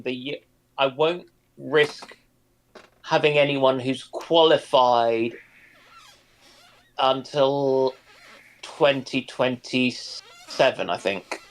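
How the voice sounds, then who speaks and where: Male, forties, unhurried medium-pitched voice, hesitant conversational delivery with restarted phrases. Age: 40s. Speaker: geriatrician who trains doctors. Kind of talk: casual group chat on a livestream.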